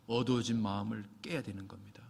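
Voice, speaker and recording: A man's voice: on the low side, fairly even intonation, quick pace, gravelly, breathy edge. Impassioned male preacher in a reverberant church. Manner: preaching with surges to loud, impassioned exhortation. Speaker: pastor. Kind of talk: sermon. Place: church sanctuary.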